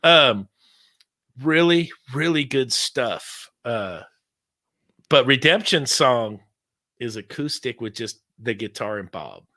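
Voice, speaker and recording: Excitable guy in his 50s, bright tone, talks in bursts and laughs a lot. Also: medium pitch, slow pace, long pauses. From California. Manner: excitable, rambling, laughs often. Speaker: podcast host. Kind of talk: casual chat.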